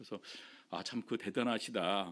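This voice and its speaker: A man talks at a very fast pace. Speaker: pastor. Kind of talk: sermon.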